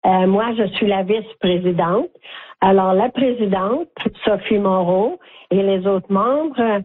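An older woman with a Franco-Ontarian French accent, talking as a guest in a phone interview, animated and chatty, often checking in with "ok?". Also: medium pitch, measured pace. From Northern Ontario, Canada. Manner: warm, animated storytelling with frequent "ok?". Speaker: guest, community volunteer. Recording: tinny phone line.

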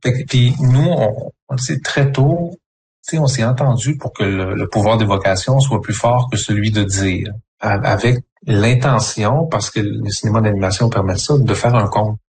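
A man with a Quebec French accent reflects aloud in a recorded interview. His voice sits a little low, and he wanders through his thoughts with many verbal tics. Faint ambient noise hangs behind him. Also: normal speed, a little mellow. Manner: reflective, rambling, repeats "tu sais". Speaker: artist interviewed. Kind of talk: interview clip.

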